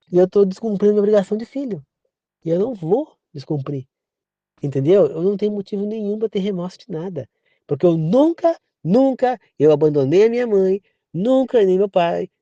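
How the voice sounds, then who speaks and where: A man's voice: high voice, dark tone, dry recording, muffled recording. A man from Brazil giving an informal sermon, earnest and repetitive, often turning to the listener with direct questions. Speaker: preacher. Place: rural home.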